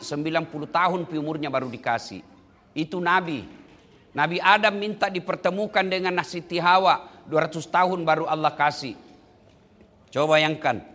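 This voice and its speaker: A man giving a lively, jokey wedding sermon and speaking straight to the couple and the guests. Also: high voice. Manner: lively, jokey, addresses listeners directly. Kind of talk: humorous sermon. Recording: long hall reverb.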